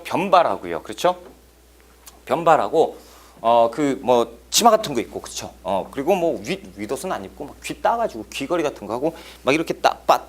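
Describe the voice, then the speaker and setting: A man teaching a history exam course in a playful lecture, telling jokes and adding sound effects. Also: fairly high pitch. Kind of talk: lively lecture with acted-out scenes.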